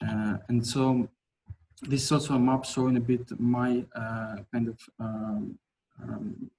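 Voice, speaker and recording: A man's voice: mid-range voice, flat delivery, takes it slowly, darkish tone, slight background noise, low-quality recording. A man from Albania presenting his architecture projects in a webinar, hesitant, with many fillers and restarts.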